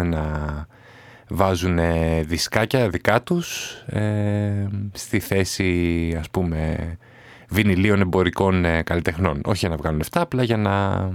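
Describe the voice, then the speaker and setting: A man hosting a music radio show, talking casually with many pauses and fillers. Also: low voice, no room sound. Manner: relaxed, many hesitation fillers.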